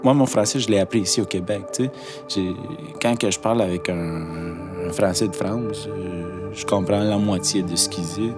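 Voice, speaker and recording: Man, slightly low voice, hesitant, music behind. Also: moderate pace. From Mexico. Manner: hesitant, with "euh" and repetitions. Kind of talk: casual testimony.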